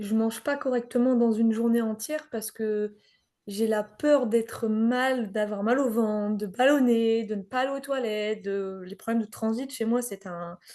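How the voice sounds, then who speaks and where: A woman's speech moves at a fairly slow pace, her intonation fairly even. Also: fairly high pitch for a woman. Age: 30s. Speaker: hypnosis client. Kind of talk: therapy interview. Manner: halting.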